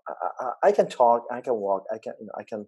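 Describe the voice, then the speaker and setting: A man hosting an interview, speaking haltingly with many pauses, restarts and tag questions. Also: mid-range voice, expressive, mellow, husky, highs cut off. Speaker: interview host. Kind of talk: conversational interview.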